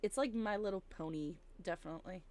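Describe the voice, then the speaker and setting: A woman's voice: fairly low pitch, fast talker, dark tone, slight background noise. Playful woman chatting over a game. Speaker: let's play host. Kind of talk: casual joking gameplay chat.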